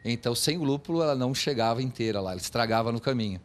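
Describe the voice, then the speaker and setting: A man's voice: medium pitch, animated, very fast. Patient man explaining beer history. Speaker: studio guest, beer enthusiast. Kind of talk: casual chat.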